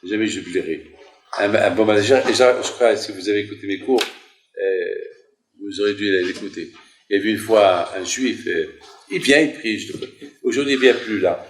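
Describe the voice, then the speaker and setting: A man's voice: fairly low pitch, normal speed. A man in his sixties, a rabbi telling a story in a sermon, repeating phrases for emphasis in a yeshiva hall. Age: 60s. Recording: roomy echoing hall.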